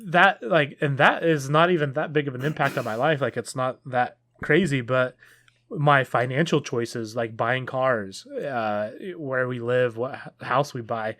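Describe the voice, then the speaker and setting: A man co-hosting a casual podcast, talking in long earnest rambles that trail off quietly. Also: mid-range voice, a little slow. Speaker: podcast co-host. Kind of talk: casual chat.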